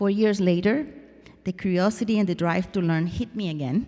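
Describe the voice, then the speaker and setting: A woman with a Colombian accent and a dark, mellow tone. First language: Spanish. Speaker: college president. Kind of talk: testimony.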